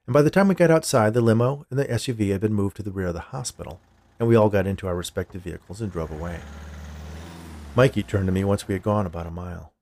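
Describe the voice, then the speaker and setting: A man's voice: fairly low pitch, quick pace, darkish tone. A man narrating a scripted first-person story as the storyteller of a fiction podcast.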